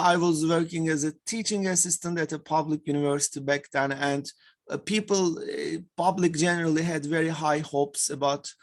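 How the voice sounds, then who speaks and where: A man from Turkey, giving an academic panel presentation over a video call, with frequent fillers and restarts. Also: on the high side. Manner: hesitant, many fillers and repeated words. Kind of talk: conference presentation.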